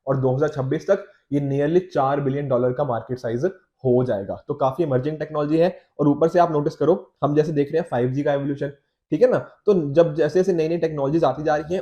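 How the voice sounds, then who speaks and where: A man's voice: a little high, fairly quick, dark tone, muffled recording. An Indian man lecturing in a conversational, explanatory way as a teacher, often checking in with listeners, his throat a little off from a slight cold. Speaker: teacher, exam coach. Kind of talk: explanatory lecture on newspaper editorials, Hindi mixed with English.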